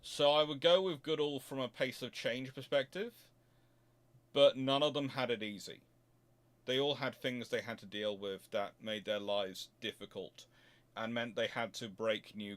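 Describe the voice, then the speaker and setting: This host, fielding audience questions in an unscripted explanatory talk, has a lowish, slightly bright voice with a steady tone and a measured pace. He's emphatic and prone to tangents, often stopping to correct himself.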